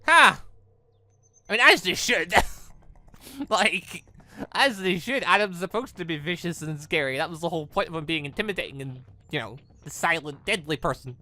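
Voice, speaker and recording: A man hosting a gaming video, reacting excitedly as he reads through a visual novel aloud in an animated, exclaiming way. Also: a little high, normal speed. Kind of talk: let's play, reading visual novel dialogue aloud with reactions.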